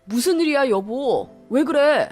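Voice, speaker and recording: A woman voicing a flustered, quick-tempered husband who sides with his mother, with music behind. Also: sits high, expressive, a little mellow. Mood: defensive. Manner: flustered, defensive.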